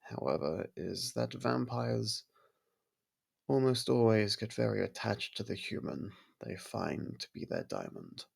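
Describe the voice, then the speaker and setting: A courteous but possessive vampire lord, played by a man for an ASMR roleplay. The voice sits low and husky, thick with gravelly fry. He speaks in formal, measured phrases with quiet command. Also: exaggerated voice. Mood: explanatory, polite. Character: courteous, possessive vampire manor lord softening toward a human.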